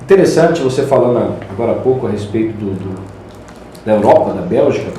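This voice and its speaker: A man hosts a podcast, asking friendly and curious questions in a casual way. His voice is dark and mellow, and it rings out in a very echoey room with a faint background hiss. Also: lowish voice, animated, fairly quick. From Campo Grande, Brazil. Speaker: podcast host. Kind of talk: casual interview.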